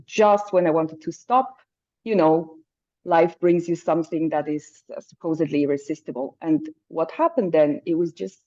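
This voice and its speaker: A woman's voice: sits low, normal speed, dark tone, lo-fi sound. A woman with a German accent, a native German speaker, speaking hesitantly on a group video call and searching for English words. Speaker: caller.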